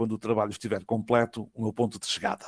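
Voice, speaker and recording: Recorded with a dry, close sound and no echo, a man speaks with a European Portuguese accent. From Portugal. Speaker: philosophy professor. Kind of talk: academic lecture read from text. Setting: web conference. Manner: formal.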